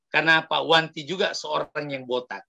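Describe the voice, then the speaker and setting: A male pastor telling a story in an animated sermon, often addressing the congregation directly. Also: on the high side, a little fast, vocal fry. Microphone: livestream sermon mic.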